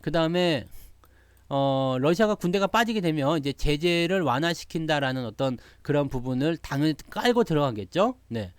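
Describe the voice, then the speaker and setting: Lively-voiced Korean man chatting about markets. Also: a little high, normal speed, smooth, no echo. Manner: chatty, acts out quoted voices, laughs often. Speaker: stock market YouTuber. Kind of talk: casual market commentary to live chat.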